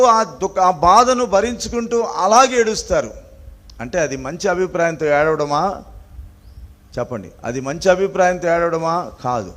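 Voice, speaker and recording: A man preaching a sermon with a Telangana Telugu accent, asking the congregation questions and swinging between loud emphatic peaks and quiet asides. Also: high-pitched. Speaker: pastor.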